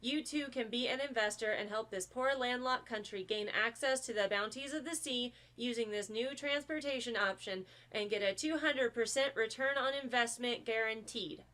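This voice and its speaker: An actress playing a gullible younger sister who rambles about a bad investment and swears a lot. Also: female voice, a little high, normal speed, few pauses, pushed and bright. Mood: pitching. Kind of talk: comedic audio drama.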